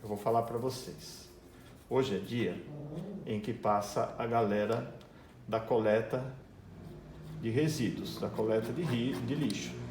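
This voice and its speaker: A man's voice: medium pitch, fairly even intonation, a little slow, long pauses, darkish tone, roomy sound, a little hiss or hum. A man with a Brazilian Portuguese accent teaching painting step by step, chatting casually as he works in his home garage. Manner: chatty, explains as he works, talks to his dog. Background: dog whining and barking.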